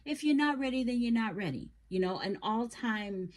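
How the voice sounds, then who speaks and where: A woman giving a casual tarot reading, talking in a gentle, reassuring way and often halting with fillers and restarts. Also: on the high side, lively intonation. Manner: gentle, reassuring second-person advice. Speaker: tarot reader.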